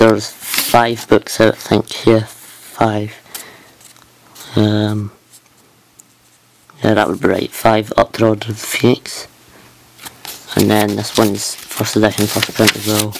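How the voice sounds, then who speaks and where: Over light background noise, the speech goes at a fairly slow pace with long, frequent pauses. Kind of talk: casual show-and-tell vlog. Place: home room. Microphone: phone near.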